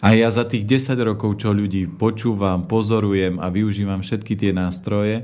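With a dark, mellow tone and fairly low pitch, a man talks at a fairly slow pace using fairly even intonation. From Orava, northern Slovakia. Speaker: health and nutrition coach. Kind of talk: casual chat.

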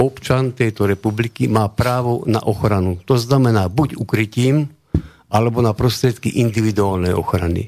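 A man's ordinary speaking voice at medium pitch and a fairly slow pace, with ordinary pitch variation, in a very clean recording with a silent background. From Slovakia, Liptovský Mikuláš. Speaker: civil protection association chairman, former ministry official. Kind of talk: studio discussion.

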